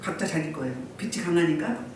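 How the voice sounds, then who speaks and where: A woman's voice: lowish voice, expressive, a little fast, darkish tone, a little hiss or hum. Woman pastor preaching in an echoey hall. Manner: repeated rhetorical questions to the congregation. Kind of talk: sermon. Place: church sanctuary. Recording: echoey room from far off.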